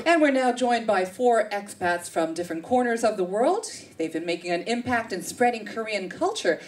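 A woman's voice: a little high, lively intonation, normal speed, far from the mic. A young woman hosting a live radio show, upbeat and reading intros. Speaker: radio host. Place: radio studio stage with audience. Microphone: handheld mic.

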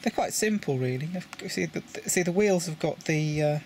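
A man's voice: fairly high pitch, expressive, normal speed, a little mellow, a little hiss or hum. A British man explaining his model railway coach lighting work in a casual tutorial, often repeating words as he handles the parts. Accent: British English. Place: indoors at a table with a model railway.

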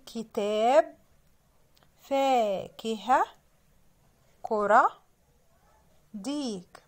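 A young woman with an Egyptian accent teaching children to read, sounding out letters and words slowly and patiently. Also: on the high side. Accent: Egyptian Arabic. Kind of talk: children's reading lesson.

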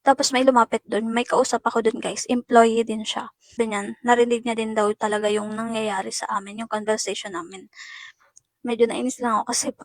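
A woman speaks straight to her viewers about an ordeal in an emotional first-person account, her voice sitting a little high. She talks in uneven bursts and keeps calling them guys. The sound is dry and close, with no room around it. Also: level tone, brisk, no echo. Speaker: netizen recounting an incident.

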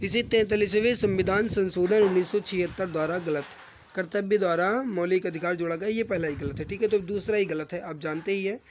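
A man teaching an exam-prep mock test online, reading out questions and answers briskly and addressing viewers as friends, often repeating himself. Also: high voice, fairly even intonation. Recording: rattling wind noise in the background. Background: wind noise from a storm outside.

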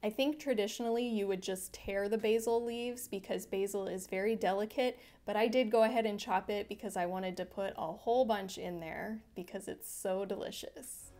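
A woman's voice: mid-range voice, steady tone, normal speed, few pauses, warm tone. A woman hosting a home cooking channel, narrating her meals in a friendly, chatty voice-over that explains each step. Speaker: vegan cooking channel host.

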